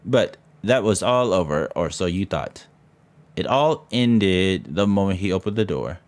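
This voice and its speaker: A man streaming a visual novel reads its ghost story aloud with a low-pitched, expressive voice, a little slow. Loud game music plays in the background, and his dramatic delivery is broken by stumbles and casual cursing.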